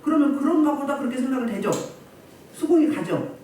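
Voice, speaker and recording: A woman pastor delivers a sermon at a healing service, her pitch swinging widely as she acts out shouting crowds. She is heard from a distance, and her voice rings around a very reverberant room with faint noise underneath. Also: a little fast. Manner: animated, acts out crowds and quotes. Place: church meeting room. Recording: echoey hall, distant mic.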